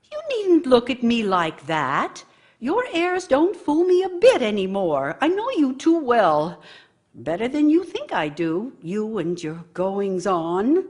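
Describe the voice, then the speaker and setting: A woman's voice: on the high side, full character voice. An actress playing a bitter, nagging wife in a radio drama, scolding her idle husband with theatrical sarcasm and scorn. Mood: cold, scornful. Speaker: actor in a radio play.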